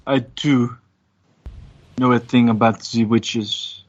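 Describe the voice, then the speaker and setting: A man playing a solemn, formal warrior from a bygone era in a tabletop game, speaking deliberately with many pauses. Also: medium pitch, vocal fry, exaggerated voice. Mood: solemn, measured. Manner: deliberate, formal, pausing often. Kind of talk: tabletop roleplay.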